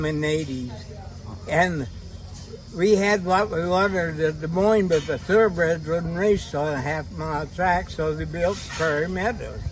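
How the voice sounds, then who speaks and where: Against noticeable background noise, someone with an American accent speaks at a fairly slow pace with ordinary pitch variation. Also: man. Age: 80s+. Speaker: harness racing horseman. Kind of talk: interview. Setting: outdoors at racing event.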